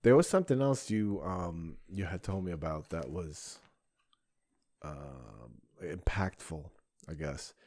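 Low-voiced man in casual, slangy chat. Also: animated, takes it slowly, darkish tone. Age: 30s. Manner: profane, slangy, rambling. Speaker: podcast host and stand-up comedian.

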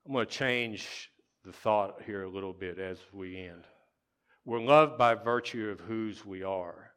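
Male pastor preaching real slow, lowish voice, stops and restarts a lot. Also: clear, resonant tone. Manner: slow, halting delivery with restarts, rising to loud laughing emphasis. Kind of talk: sermon.

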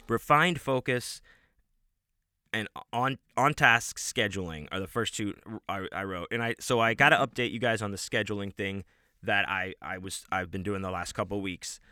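A man's voice: fairly low pitch, normal speed, pushed and bright, smooth, dry recording, studio quality. A man hosting his own show, talking casually and at length with many restarts and fillers, and swearing now and then. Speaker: podcast host and audiobook narrator. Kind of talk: casual rambling monologue.

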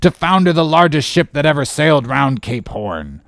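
A man's voice: fairly high pitch, sing-song, normal speed, no room sound, clean studio sound, pitched above the performer's own voice. A man voicing a blustering, hot-tempered old sea captain in an audiobook, roaring in explosive, archaic seafaring speech. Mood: angry. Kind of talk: audiobook character voice.

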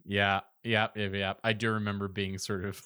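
A man's voice: fairly low pitch, level tone, normal speed, sharp tone, clean tone. A man on a casual film podcast, making brief wry remarks. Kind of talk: casual film review chat.

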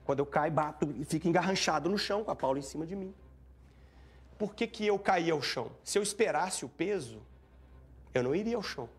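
A man recounting a tense event in an interview, animated and acting out what people said. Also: on the high side, brisk, husky. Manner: animated, acts out shouting and quoted speech. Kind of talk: emotional first-person account.

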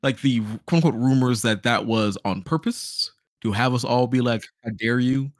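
A man's voice: mid-range voice, fairly even intonation, moderate pace, no room sound, studio quality. A man hosting a podcast in a casual, slangy chat, acting out little imagined quotes as he talks. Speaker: podcast host.

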